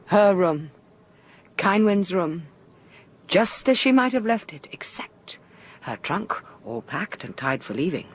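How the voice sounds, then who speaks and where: A woman's voice: lowish voice, expressive, slow, slightly rough, heavily acted. An actress playing a genteel, lonely and insistent lady of the house in a radio horror play, with a hesitant, theatrical manner. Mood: shaken, insistent.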